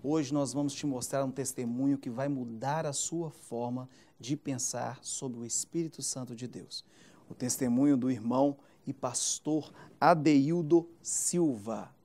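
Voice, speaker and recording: A man's voice: medium pitch, measured pace, mellow. A man who is a pastor hosting a Christian TV interview program, talking emphatically and turning to viewers with preacherly asides. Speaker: pastor, TV show host.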